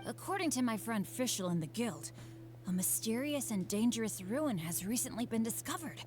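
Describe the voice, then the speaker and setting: A woman's voice: on the high side, lively intonation, normal speed, natural voice. A woman voicing an eager, unlucky, self-deprecating teenage boy adventurer in a video game, with an earnest, boyish, hesitant delivery. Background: game music.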